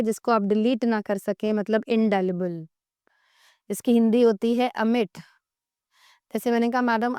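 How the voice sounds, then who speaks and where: A woman with an Indian accent runs a classroom vocabulary lesson, explaining in Hindi and reading each English definition out slowly before quizzing her students. Her voice is smooth and fairly high, and it sounds dry and close to the mic. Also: darkish tone, dry recording. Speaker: English teacher.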